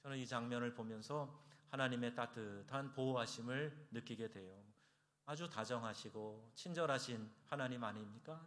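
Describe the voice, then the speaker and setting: A man preaching a Sunday sermon as pastor, acting out quoted prayers and voices with big swings in pitch and loudness. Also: moderate pace. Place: church sanctuary.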